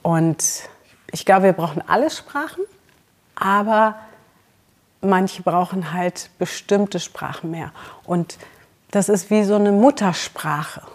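A woman's voice: medium pitch, slow pace, pauses often. A woman from Germany hosts a self-help podcast, coaching the listener directly. Her delivery is encouraging and personal, with plenty of casual asides. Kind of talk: motivational podcast talk.

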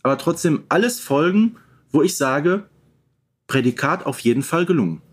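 A man's voice: fairly high pitch, animated, moderate pace. A man co-hosting a podcast in a casual, conversational style. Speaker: podcast co-host.

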